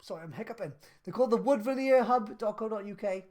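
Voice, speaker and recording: A man's voice: high voice, lively intonation, fast talker, a little mellow. Laid-back man answering viewer questions. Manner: laid-back and chatty, lots of fillers. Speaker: craft business live streamer. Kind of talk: live stream Q&A, reading viewer questions.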